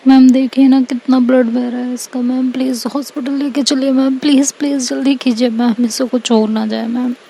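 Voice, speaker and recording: A woman's voice: high-pitched, steady tone, takes it slowly, gravelly, long pauses, mellow, a little hiss or hum, voice pushed up, full character voice. A woman voicing a panicked teenage schoolgirl who keeps begging her teacher for help. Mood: panicked pleading. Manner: pleading, repeats please and ma'am.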